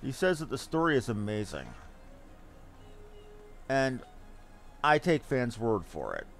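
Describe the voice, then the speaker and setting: A man's voice: mid-range voice, very animated, a little slow, faint music behind. A man giving casual livestream commentary as he plays a game and talks to his viewers. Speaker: game streamer.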